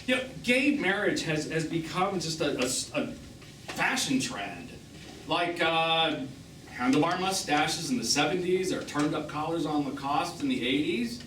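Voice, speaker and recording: Man acting a bitter middle-aged gay boyfriend, higher-pitched, sardonic and wordy, live theatre, noisy recording. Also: animated, a little slow, fairly bright tone, reverberant, far from the mic. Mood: scornful, bitter. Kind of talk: one-act stage play acting. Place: small theatre, live performance.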